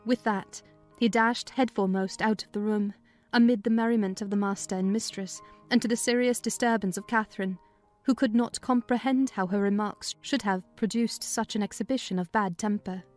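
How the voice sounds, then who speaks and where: A woman's voice: mid-range voice, fairly even intonation, normal speed, a little mellow, soft background music. A woman narrating a classic novel as a scripted, dramatized audiobook reading.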